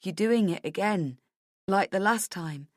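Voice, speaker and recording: A woman voicing a frightened, tearful husband in an audiobook, gentle and pleading, with a hesitant delivery. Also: mid-range voice, unhurried, no room sound, studio quality, natural voice. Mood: scared, pleading. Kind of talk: dramatic audiobook character dialogue.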